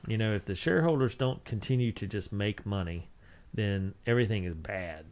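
Male co-host, somewhat deep pitch, wry and exasperated for effect, loose conversational banter. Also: brisk, a little mellow, dull audio. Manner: sarcastic, mock-exasperated. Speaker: podcast co-host. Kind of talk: casual chat, banter.

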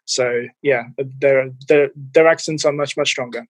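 A man's voice: medium pitch, fairly even intonation, a little slow, no room sound. A man in his forties with a mild, anglicized South African accent, a fitness and mental health coach answering interview questions with lots of ums and restarts. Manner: hesitant, many fillers and restarts.

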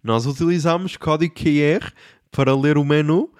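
A man voicing an overly cheerful, smooth-talking waiter in a sugary, slow radio-host manner. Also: a little high, steady tone, no room sound, clean studio sound, close to an everyday voice. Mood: chirpy.

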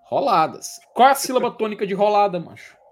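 A man's voice: high voice, animated, a little fast. A man co-hosting a casual chat, tired and joking in teasing banter. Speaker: podcast co-host.

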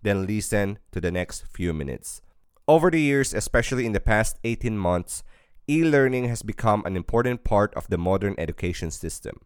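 A man's voice: lowish voice, lively intonation, moderate pace, smooth, no echo, studio quality. A man hosting a podcast, giving an upbeat, salesy promotional intro and then questioning his guest. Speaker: podcast host.

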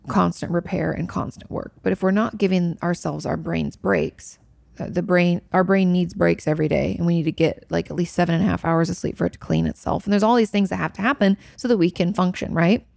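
A woman's voice: on the low side, gravelly, darkish tone, dry recording, studio quality. A woman, a therapist, talking casually as she answers viewer questions and explains things with many fillers and restarts. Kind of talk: casual advice talk.

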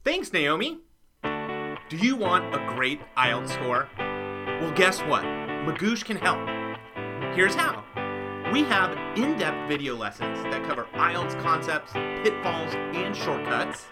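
A woman's voice: deep voice, sing-song, slow pace. A woman reading a sponsor ad in an upbeat, salesy way. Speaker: ad reader. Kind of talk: read sponsor advertisement. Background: loud guitar music.

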